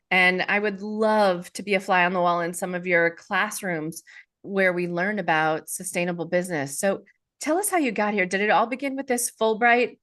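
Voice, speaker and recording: A podcast host with a medium-pitched, fairly bright voice reads her guest's bio and asks questions. She keeps the interview enthusiastic and upbeat.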